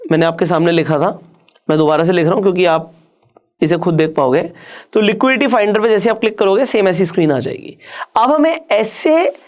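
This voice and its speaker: A man, a stock market educator, giving an online trading tutorial, talking straight to the viewer and explaining step by step with rhetorical questions. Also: high voice. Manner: conversational, addresses the viewer directly.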